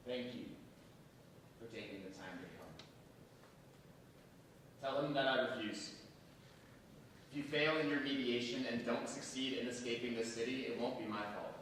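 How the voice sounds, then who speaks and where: An actor playing a sardonic, defiant imprisoned militant in a theatrical staged reading, declamatory and deliberate. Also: male voice, fairly bright tone, close to an everyday voice. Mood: dry defiance. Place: large echoing hall, staged reading. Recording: very echoey hall, distant mic, faint rumble.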